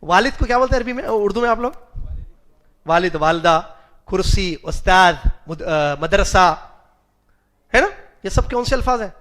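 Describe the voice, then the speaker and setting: A high-voiced man lecturing a class, pausing to quiz his students and chuckling at their answers. He spells out Arabic root letters one by one and slips English words into his explanations. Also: expressive, a bit bright. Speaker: religious teacher.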